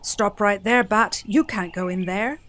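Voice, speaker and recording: A woman's voice: mid-range voice, unhurried, fairly bright tone, close to an everyday voice. A woman voicing a stern male vulture guard who hisses his warnings in a storybook tale. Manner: hissing, scolding.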